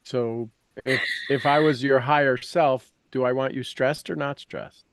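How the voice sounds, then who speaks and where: A man's voice: medium pitch, steady tone, a little slow, no room sound. Blunt, folksy man coaching, very dry sound. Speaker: coach leading a class. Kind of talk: informal coaching talk mixed with reading aloud from a book.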